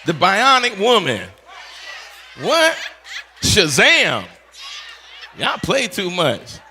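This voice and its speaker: Animated pastor with a high, bright voice. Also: male voice, slow pace, a faint crowd. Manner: animated, teasing the audience with call-outs. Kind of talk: playful teaching session talk.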